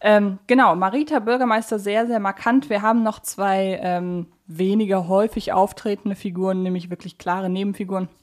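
A woman's voice: mid-range voice, steady tone, a little fast, few pauses, darkish tone. A woman with a German accent co-hosting a casual podcast, explaining details somewhat hesitantly. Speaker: podcast co-host. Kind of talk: casual fan-podcast discussion.

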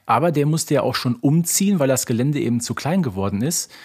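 A man's voice: mid-range voice, animated, fairly quick, a little mellow, husky. A man co-hosting a fan podcast, talking in a conversational style. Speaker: podcast co-host.

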